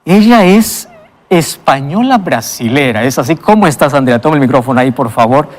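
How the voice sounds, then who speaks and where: Emphatic male host, lively reverberant voice. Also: medium pitch. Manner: emphatic, with dramatic pauses and enthusiastic wows. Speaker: host of a Bible study show. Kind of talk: TV show presenting and interviewing. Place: TV studio with guests.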